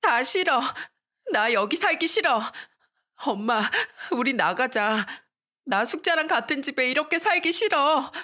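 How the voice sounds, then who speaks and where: A woman voicing a poor young schoolgirl, shrill and pleading, in a radio drama reading. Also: very animated, a little slow, a bit bright, full character voice. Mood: tearful.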